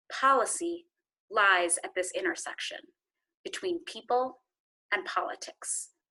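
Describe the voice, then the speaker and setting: Her tone bright and sharp, a woman speaks at a fairly slow pace with very wide pitch swings. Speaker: graduate student. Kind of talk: commencement speech.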